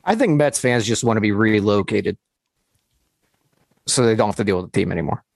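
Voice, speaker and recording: A man's voice: on the low side, lively intonation, fairly quick, creaky, no room sound. A man in his late twenties co-hosting a sports podcast, dropping short, dry, teasing quips. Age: late 20s. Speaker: podcast co-host. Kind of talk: casual sports chat.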